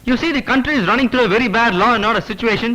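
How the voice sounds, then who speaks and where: A man's voice: very high voice, extremely slow, pushed and bright, full character voice, low-quality recording. An actor playing a brash young man who rehearses film dialogue at the top of his voice, with film music behind him. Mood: pompous. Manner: theatrical, declaiming practice speeches. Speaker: aspiring actor. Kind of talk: 1990s Tamil film comedy.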